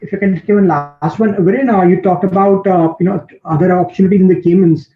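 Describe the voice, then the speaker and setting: A man's voice: sits high, fairly even intonation, fast, slight background noise. A man with an Indian accent asking questions as an analyst on a conference call, hesitant and searching for words. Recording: dull, roomy conference call line.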